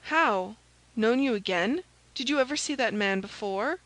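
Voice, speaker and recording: A woman voicing a gallant young gentleman soldier in a storybook, commanding and reassuring. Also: on the high side, expressive, unhurried, no echo, low-quality recording. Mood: earnest, commanding.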